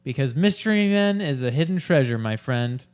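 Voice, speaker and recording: A man co-hosting a podcast, chatting casually and hesitantly with many pauses and fillers. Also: mid-range voice, expressive, a little mellow, clear, resonant tone. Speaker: podcast co-host. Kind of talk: casual chat.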